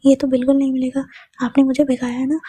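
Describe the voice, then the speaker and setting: Woman narrator playing a strict teacher, firm, breathy, close and dry. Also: high-pitched, flat delivery, fast talker, mellow, dry recording. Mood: scolding. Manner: scolding, firm. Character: stern but amused woman teacher.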